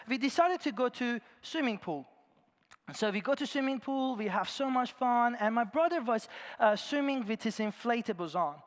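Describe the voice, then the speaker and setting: A man from Iran, preaching a sermon in an earnest storytelling way, his phrases often trailing off softly at the ends. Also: very high voice, lively intonation, normal speed. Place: large church. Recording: long church reverb.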